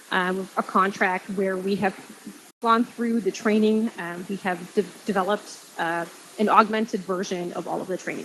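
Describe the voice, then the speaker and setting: With fairly even intonation, the delivery holds a moderate pace. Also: woman. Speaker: tech company customer success director. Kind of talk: conference presentation. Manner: hesitant, many fillers.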